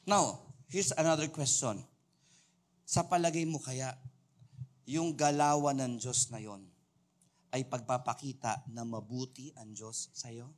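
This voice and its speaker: A man's voice: mid-range voice, steady tone, slow pace, pauses often. A man preaching a sermon as a pastor, playful and joking as he quizzes his congregation. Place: church service.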